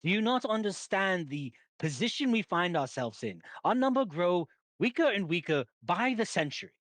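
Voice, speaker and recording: A man's voice: fairly high pitch, fast talker, fairly bright tone, no room sound, voice pushed up, close to an everyday voice. A man doing an exasperated tiefling elder. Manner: lecturing, exasperated.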